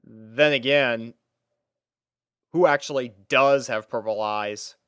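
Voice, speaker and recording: A man's voice: medium pitch, slow pace, fairly bright tone, clear, resonant tone, no echo, studio quality. A young man reading a scripted first-person story as its narrator.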